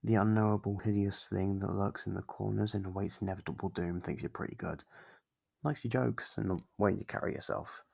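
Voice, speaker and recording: A man playing a kindly, apologetic sleep paralysis demon in a soft ASMR roleplay, speaking gently and hesitantly in a low, gravelly, husky voice. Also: steady tone, brisk, heavily acted. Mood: encouraging, tender. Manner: soft-spoken, hesitant, reassuring.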